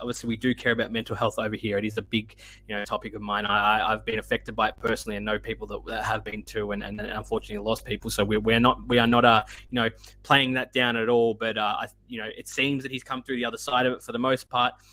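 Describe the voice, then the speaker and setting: With an Australian accent and vocal fry, a man speaks at a very fast pace in a medium pitch with monotone, flat intonation. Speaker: sports podcast host. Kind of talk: casual sports talk show. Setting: live stream. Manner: halting, many fillers.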